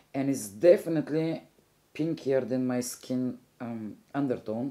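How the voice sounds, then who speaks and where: In a Bulgarian accent, a woman speaks with a very deep, low pitch, lively intonation and a dark, mellow tone. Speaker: beauty vlogger. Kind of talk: makeup tutorial. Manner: casual, with fillers and hesitations.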